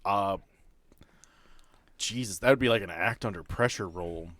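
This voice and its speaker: A man's voice: sits low, unhurried, fairly bright tone, no room sound. A man acting as game master, narrating the action and rules of a tabletop roleplaying game in a podcast.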